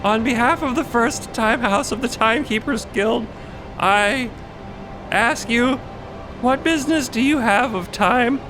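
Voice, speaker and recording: A man's voice: very high voice, measured pace, over music, pitched above the performer's own voice, rough recording. A man voicing a young, earnest and flustered timekeeper officer in a fantasy audio drama, formal and hesitantly polite. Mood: formal, brisk.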